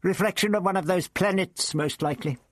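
A man voicing a crotchety, lofty elderly time traveller, with a husky voice in a dismissive, lecturing manner. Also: high voice, fairly quick, a bit bright, no room sound, studio quality, voice pushed up. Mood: testy.

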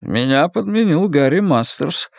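A man playing a calm quiet father. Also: a little high, a little slow, creaky, no echo, studio quality, voice pushed up. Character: calm middle-aged father, quiet and steady.

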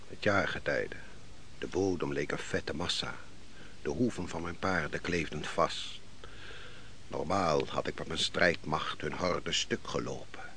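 An actor playing a defeated army commander in a Dutch radio play, weary, bitter and brooding, speaking in a grave, declamatory way. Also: male voice, low-pitched, pushed and bright, full character voice. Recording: noisy old radio play recording.

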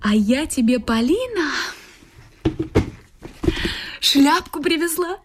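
Smug, high-voiced worldly sister. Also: female voice, expressive, slow pace, very noisy. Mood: coaxing, scheming. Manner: condescending, coaxing, self-satisfied. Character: smug, worldly young married sister, bossy and materialistic. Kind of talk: radio play acting. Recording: music behind the voice.

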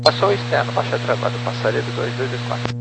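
A Brazilian man speaks as a pilot over the radio, rattling off terse readbacks in clipped aviation phraseology. His voice sits in a middle register and moves quickly. A steady hum and loud radio noise run underneath. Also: medium pitch, vocal fry. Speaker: airline pilot. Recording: noisy aircraft radio with hum.

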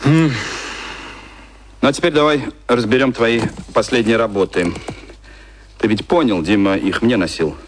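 A man's voice: medium pitch, moderate pace, pauses often, a little hiss or hum, close to an everyday voice. Man acting cynical, convivial adman boss. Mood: mentoring, sardonic. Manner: sardonic, familiar, mentoring. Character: cynical, convivial male adman, former propaganda official, drinking. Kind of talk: naturalistic radio play dialogue.

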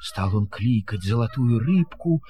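A man's voice: lowish voice, animated, unhurried, dark tone, faint music behind. A man narrating a fairy tale in verse as a storyteller, with a theatrical, singsong delivery.

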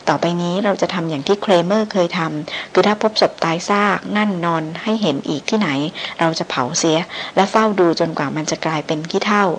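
Woman reading calm firm jungle hunt leader man, storybook, low-ish voice. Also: a little fast, few pauses, a little hiss or hum, natural voice, low-quality recording. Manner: firm, matter-of-fact.

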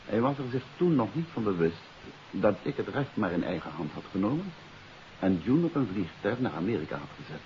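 Deep, animated gentleman detective, hissy radio. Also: a little fast. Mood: explanatory. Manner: probing, explanatory, courteous. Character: shrewd, composed gentleman detective. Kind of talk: 1950s radio mystery acting. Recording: hissy, dull 1950s radio recording.

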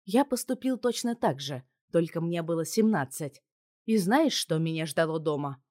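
A woman's voice: on the low side, animated, moderate pace, darkish tone, natural voice. A woman voicing a stern, angry father who lectures his teenage daughter. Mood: lecturing.

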